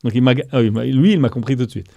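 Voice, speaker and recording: A middle-aged man being interviewed, telling a business story in a lively way and acting out the dialogue he quotes. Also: mid-range voice, racing, no echo. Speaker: guest entrepreneur.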